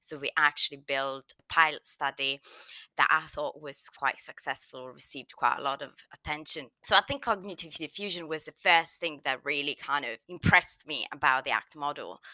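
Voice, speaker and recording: A woman with an Italian accent speaks at a very deep, low pitch, with a bright, sharp tone and ordinary pitch variation. Her moderate-paced delivery has big swings in loudness and a dry, close sound with no echo. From Italy. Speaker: psychology researcher. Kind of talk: casual interview chat.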